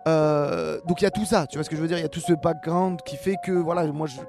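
A man in his twenties from France, an actor and rapper answering interview questions in a relaxed, rambling way with many fillers and restarts. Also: a little high, fast talker, gravelly, over music. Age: 20s.

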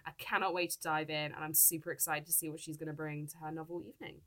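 Bright-voiced woman with a stuffy cold. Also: sits low, level tone, fast talker. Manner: gushing, enthusiastic, laughs often. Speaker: podcast host. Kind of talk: casual interview chat.

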